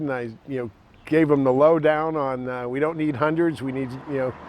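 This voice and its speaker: In an unremarkable speaking voice, a man with an American accent talks at a fairly quick pace with fairly even intonation. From Pottsville, Pennsylvania. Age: 60s. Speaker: car show organizer, city councilman. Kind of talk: casual interview.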